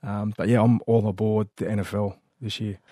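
A man's voice: fairly low pitch, level tone, moderate pace, warm tone, slightly rough, no room sound, clean studio sound. A man co-hosting a podcast, chatting loosely about sports and interviewing a guest. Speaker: podcast co-host. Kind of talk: casual sports chat and interviewing.

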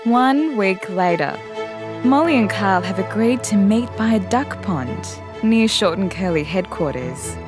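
A woman's voice: medium pitch, lively intonation, unhurried, music in the background. A woman reading a formal, official-sounding announcement on a children's podcast.

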